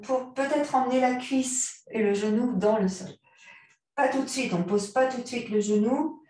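A woman guiding a yoga class, giving calm, unhurried cues timed to the breath. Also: a little high. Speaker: yoga teacher. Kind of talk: guided yoga class instruction. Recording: very echoey room, mic far off.

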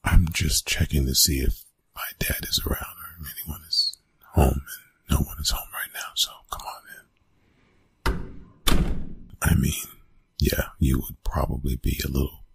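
Guy doing a gruff college bully asmr roleplay, super low voice, half whispering, slow and halting. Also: fairly even intonation, exaggerated voice. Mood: casual, warming up. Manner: hushed, halting, casual, often breathy whispering. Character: gruff, reluctant young male college bully softening up. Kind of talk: ASMR roleplay, intimate one-sided dialogue.

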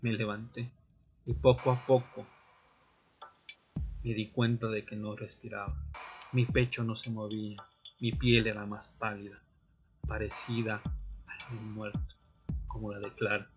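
Tormented newly turned vampire played by a man, telling his tale in a radio drama. Grave, measured, music underneath. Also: fairly low pitch, level tone, lightly acted. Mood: grave, desperate. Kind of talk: dramatic first-person audio drama narration.

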